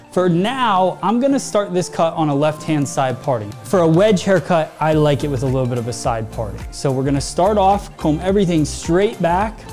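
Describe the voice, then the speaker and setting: Over faint music in the background, a man talks at a moderate pace with hardly any pauses. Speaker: hairdressing educator. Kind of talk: tutorial. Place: studio.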